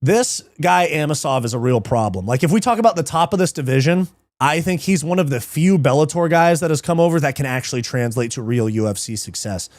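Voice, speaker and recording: A fairly high-voiced man rattles off fight results with crude, excitable energy. He swears freely, laughs, and reacts to his chat. The sound is close and dry, with no room around it. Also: a little fast, dry recording. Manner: profane, excitable, reads live chat, laughs often. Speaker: livestream MMA show host. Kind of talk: casual livestream commentary.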